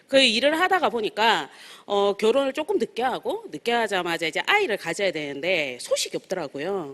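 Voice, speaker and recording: A woman with a Daegu accent speaks at a fairly quick pace and medium pitch, with very wide pitch swings. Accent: Gyeongsang (Daegu) dialect. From Daegu, South Korea. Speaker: network marketing business leader. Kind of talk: business presentation with personal story.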